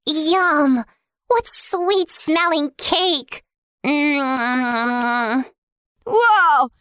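A woman's voice: lively intonation, extremely slow, fairly bright tone, no room sound, studio quality, exaggerated voice. A woman voicing a pack of greedy, mischievous little rats. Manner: squeaky, sneaky, gleeful.

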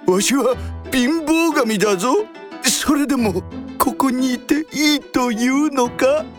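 A man's voice: very high-pitched, slow pace, music in the background. An actor playing a timid, tearful old male poverty god in a children's folktale, with old-fashioned country speech. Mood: surprised.

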